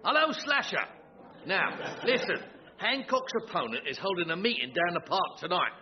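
Brash, animated wheeler-dealer. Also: male voice, high-pitched, moderate pace, background noise. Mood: conspiratorial. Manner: brash, slangy, wisecracking. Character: shady, cheerful male wheeler-dealer campaign manager. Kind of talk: British radio sitcom acting. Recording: slightly dull, muffled recording.

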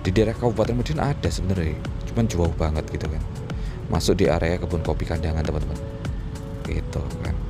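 A man's voice: low-pitched, quick pace, music in the background. A young man, chatting in a rambling, easygoing way while riding a motorbike in traffic. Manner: chatty, rambling, frequent fillers. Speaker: motovlogger. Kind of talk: casual chat while riding.

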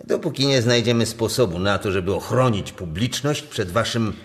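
A man playing a severe, accusing commission chairman in a radio drama, speaking slowly and moralizing. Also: fairly low pitch, natural voice. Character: stern, accusing male chairman of a state commission. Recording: long hall reverb.

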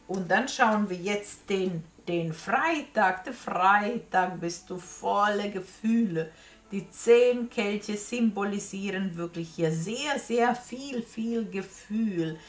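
A woman's voice: medium pitch, a bit bright. Woman reading tarot in a roomy echo. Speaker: tarot reader. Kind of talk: tarot reading spoken casually to viewers. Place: small room crowded with statues and cards. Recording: roomy echo from camera distance.

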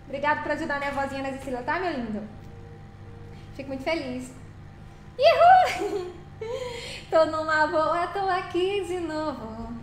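A woman's voice: sits high, normal speed, pauses often, a bit bright, roomy sound, slight background noise. A woman chatting on a live stream, playfully teasing viewers and thanking them by name, now and then singing a short phrase. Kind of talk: casual live-stream chat.

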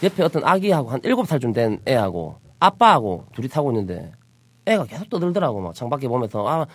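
A man from Busan co-hosting a casual talk show, telling stories with animated, acted-out quotes. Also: mid-range voice, fast talker, no echo. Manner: animated storytelling, acting out loud quotes. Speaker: podcast co-host. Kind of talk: casual chat.

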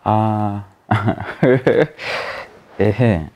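Deep-voiced Kenyan man telling stories. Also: steady tone, extremely slow, highs cut off. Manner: rambling, chuckling storyteller who mixes in slang. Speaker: comedian guest. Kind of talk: casual interview storytelling. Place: TV-style studio set with sofas, indoors.

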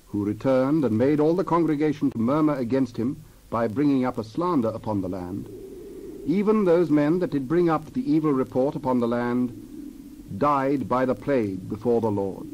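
A man serves as solemn narrator of scripted scripture drama. His voice is medium in pitch and formal. The recording is a little dull, with faint noise and birds behind. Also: lively intonation, moderate pace, a little mellow.

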